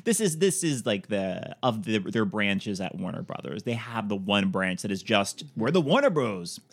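A man's voice: lowish voice, animated, normal speed, vocal fry. A man co-hosting a film podcast, chatting casually with lots of fillers, restarts and laughter. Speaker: podcast co-host.

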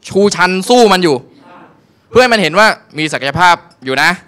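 Young male stand-up, high and bright, crude and exasperated storytelling full of swearing. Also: big pitch swings, brisk, clear, resonant tone. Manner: crude, exasperated, swears a lot, acts out other people. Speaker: stand-up comedian. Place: comedy venue stage.

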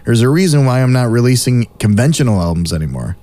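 Mellow-voiced man, rambling. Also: medium pitch, very animated. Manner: rambling, halting with many fillers. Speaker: podcast host. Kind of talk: casual podcast chat.

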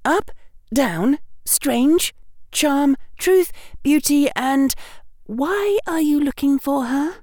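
A man's voice: very high-pitched, animated, extremely slow, darkish tone, dry recording, studio quality, pitched above the performer's own voice, heavily acted. Hermione, as a man voices her, a prim young girl. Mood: indignant. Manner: crisp, indignant. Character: prim, sharp-tongued young schoolgirl.

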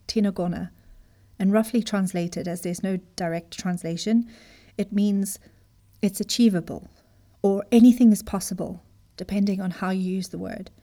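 A woman's voice: medium pitch, dark tone. A woman from Zimbabwe, a business coach, giving an earnest motivational talk that speaks straight to the listener. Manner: earnest, emphatic, direct address.

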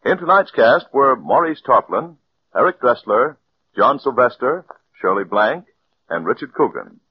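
A man's voice: mid-range voice, very animated, unhurried, slightly rough. A male radio announcer reading closing credits in a formal, declamatory manner, heard on a dull 1940s radio broadcast. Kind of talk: scripted announcement.

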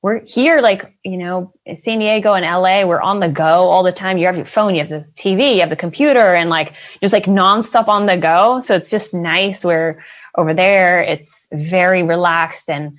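A young woman from the Netherlands, a financial advisor, chatting casually as a guest with frequent fillers and quick laughs. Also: on the low side. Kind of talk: casual interview chat.

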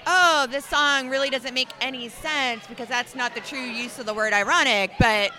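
A woman talking casually on a podcast, animated and ranting with quick asides. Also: high voice. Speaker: podcast guest. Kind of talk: casual chat. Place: brewery.

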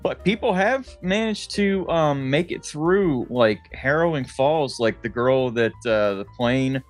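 A man's voice: medium pitch, animated, measured pace. American man, podcast co-host, casual jokey storytelling, profane, prone to laughter, music behind, mid-range voice. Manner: laughs while talking, swears freely, jokey storytelling. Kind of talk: casual comedic chat.

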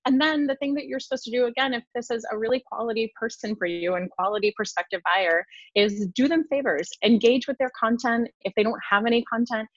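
A woman's voice: fairly high pitch, steady tone, a little fast, few pauses, no room sound. A woman from Switzerland, a sales consultant guest on a podcast, talking with energy and emphasis and laughing often. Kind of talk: enthusiastic podcast interview talk. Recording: dull lo-fi dry sound.

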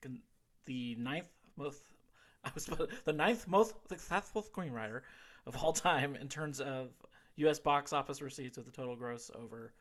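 A man's voice: mid-range voice, fairly even intonation, a bit bright. A man co-hosting a casual movie podcast, laughing often and restarting his sentences as he recalls movie trivia. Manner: laughing, quick to react, hesitant restarts. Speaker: podcast co-host. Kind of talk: casual chat.

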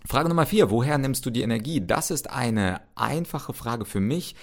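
A man's voice: mid-range voice, lively intonation, normal speed. A man in his thirties from Ukraine hosting a podcast, answering listener questions in an articulate, conversational and self-assured way. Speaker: podcast host and rhetoric trainer.

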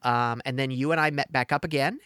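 A man's voice: mid-range voice, fairly quick, pushed and bright, smooth, dry recording. Effusive man with a dry voice. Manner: effusive, hesitant with many fillers; dry sarcasm. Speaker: podcast co-host. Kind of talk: casual chat.

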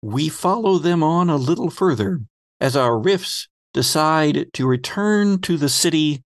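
A man hosting a tabletop game podcast as game master, narrating the story in a measured, dramatic way. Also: a little high, lively intonation, dry recording, clean studio sound.

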